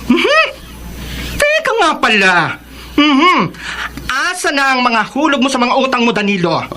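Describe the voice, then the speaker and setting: A performer playing a flamboyant, vain, sharp-tongued gay moneylender in a Filipino radio melodrama, campy and slangy with a Filipino accent. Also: high-pitched, big pitch swings, unhurried, heavily acted. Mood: indignant. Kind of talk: melodramatic radio drama acting. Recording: noisy radio drama ambience.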